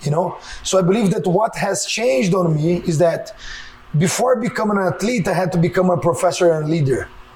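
Speaking at a fairly quick pace with a Brazilian accent, a man with a high pitch and ordinary pitch variation is heard over noticeable background noise. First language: Portuguese. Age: 40s. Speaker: jiu jitsu champion and coach. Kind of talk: casual interview chat.

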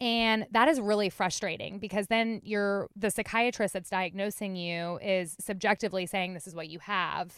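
In a very clean recording with a silent background, a woman with an American accent speaks in a plain, everyday voice at medium pitch and a moderate pace, with hardly any pauses and big swings in loudness. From US South, Atlanta, Georgia. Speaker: functional medicine clinic founder. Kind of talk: interview. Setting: in a car.

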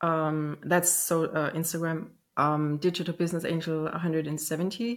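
With a German accent, a woman speaks at a moderate pace in a very deep, low pitch with fairly even intonation, on a very clean recording with a silent background. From Germany. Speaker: entrepreneur seeking coaching. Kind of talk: coaching conversation. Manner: hesitant, halting.

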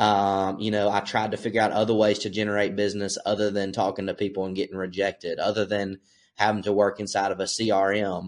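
A man with an Alabama accent, a fairly low pitch, flat, monotone intonation and a very fast pace over a quiet background. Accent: Southern US (Alabama). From Alabama, US South. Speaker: real estate broker. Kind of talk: casual interview conversation.

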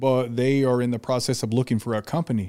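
On a very clean recording with a silent background, a man talks with a strong Southern US accent. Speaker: trucking recruiter, former truck driver. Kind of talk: casual chat. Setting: studio. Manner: animated.

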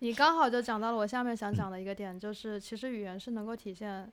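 A woman speaks at a fairly quick pace with a fairly high pitch. Her intonation stays fairly even. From China, Wuhan. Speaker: podcast co-host, former English teacher. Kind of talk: casual chat.

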